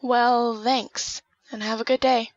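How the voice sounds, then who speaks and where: A woman's voice: a little high, flat delivery, slow, dry recording. A woman playing a bored, suspicious twenty-four-year-old in an audio drama, recorded dry and a little dull. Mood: annoyed. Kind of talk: hobby audio drama acting. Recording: dry, slightly dull sound.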